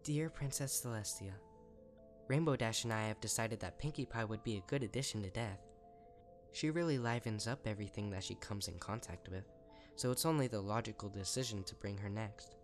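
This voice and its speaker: A man's voice: lowish voice, brisk, faint music behind, natural voice. A man voicing a deranged, eager, power-hungry female unicorn pony writing letters, in a chirpy, unhinged manner for a horror story. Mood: smugly menacing.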